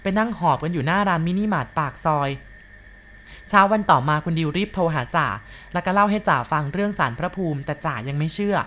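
A woman host telling a ghost story in calm, slow-paced scripted narration with polite endings. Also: fairly low pitch, slight background noise.

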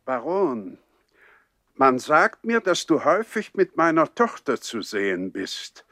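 An actor playing a stern, pompous older nobleman and father in a 1960s radio play, questioning deliberately. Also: a little high, sing-song, fairly bright tone, no echo, studio quality, full character voice. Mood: stern, probing.

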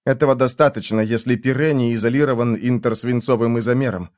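A man's voice: mid-range voice, steady tone, quick pace, darkish tone, no room sound, lightly acted. Defiant young woman in a dry audiobook read, man doing the voice.

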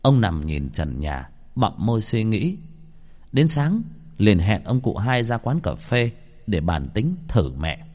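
Expressive Southern Vietnamese male storyteller. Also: on the low side, takes it slowly. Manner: expressive, dramatic. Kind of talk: storytelling narration.

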